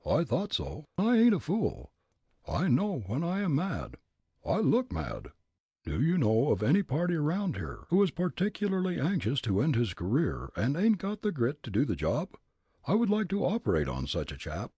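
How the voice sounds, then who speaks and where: A man reading a story and voicing an angry, gruff elderly rich man who blusters and shouts indignantly. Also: medium pitch, wildly swooping pitch, moderate pace, no room sound, pitched above the performer's own voice, full character voice. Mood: irritable.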